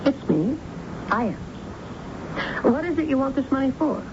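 A noisy, muffled old radio drama broadcast. a controlling, well-to-do middle-aged mother, probing and firm. Her diction is polished and her pitch swings in a lively way. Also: measured pace. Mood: surprised, probing.

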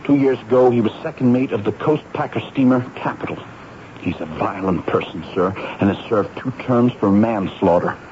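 An actor playing a young prisoner who informs in a subdued, formal, deferential way in a radio drama. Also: male voice, on the low side, moderate pace, lightly acted. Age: young adult. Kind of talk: 1970s radio drama acting. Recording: dull radio recording with faint noise.

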